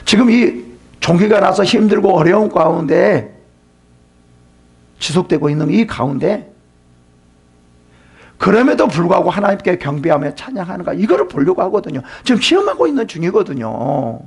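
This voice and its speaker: A man's voice: high-pitched, very animated, moderate pace, gravelly, pauses often, a little mellow, husky. A man pastor preaching a sermon at a seminar, asking his listeners questions and dropping into whispered asides. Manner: asks the congregation questions, drops to whispered asides.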